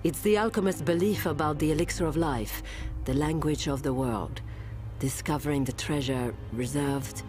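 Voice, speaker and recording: Low-voiced, intense woman professor played by an actress. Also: normal speed, over music, close to an everyday voice. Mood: earnest. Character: guarded, intense woman professor in an espionage thriller. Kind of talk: dramatic motion-comic voice acting.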